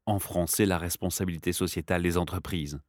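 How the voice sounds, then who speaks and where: A low-voiced man hosting a podcast. He asks long, enthusiastic questions and chimes in with agreement. The recording is dry and close. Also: steady tone, a little fast, dry recording. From Belgium. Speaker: podcast host. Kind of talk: podcast interview.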